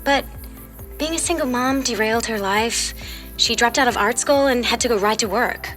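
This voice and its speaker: Bright, sassy teenage girl played by a woman. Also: on the high side, moderate pace, faint music behind, lightly acted. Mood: earnest. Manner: sarcastic, casual teen phrasing. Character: sassy, world-wise fifteen-year-old girl from the future. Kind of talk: audio fiction drama acting.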